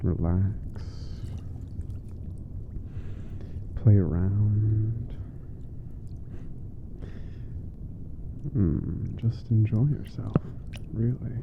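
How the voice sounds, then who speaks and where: A man playing a gentle, teasing, affectionate giant roommate in an intimate ASMR roleplay, soft-spoken and playfully formal. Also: lowish voice, takes it slowly, gravelly, phone-quality sound, background noise. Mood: caring, soothing.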